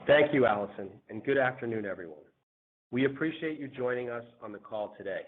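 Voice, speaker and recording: A man reads a scripted corporate earnings presentation as a company executive, in a formal, measured way. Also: medium pitch, expressive. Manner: formal, measured read-out delivery. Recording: phone-like conference line with faint noise.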